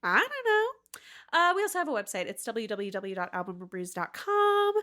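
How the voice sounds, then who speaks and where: A woman's voice: on the high side, very animated, moderate pace, sharp tone. A woman co-hosting a casual podcast, chatting in a playful, jokey way. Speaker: podcast co-host.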